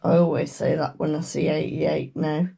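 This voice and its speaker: A woman with a British accent, croaky from a cold, giving a slow, meandering tarot reading with murmured chants. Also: low voice, little pitch movement, dark tone. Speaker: tarot reader. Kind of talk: casual tarot reading chat.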